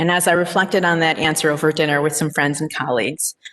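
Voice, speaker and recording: A woman's very deep, low pitch in an American accent. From US, New Orleans-born, child of Colombian immigrants. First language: Spanish. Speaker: judge. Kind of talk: confirmation hearing opening statement. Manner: formal.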